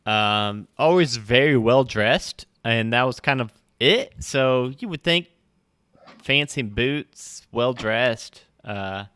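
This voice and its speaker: A man's voice: mid-range voice, animated, takes it slowly, a bit bright, clear, resonant tone, no echo, studio quality. A man running a tabletop game as game master, narrating casually and thinking aloud with some hesitation.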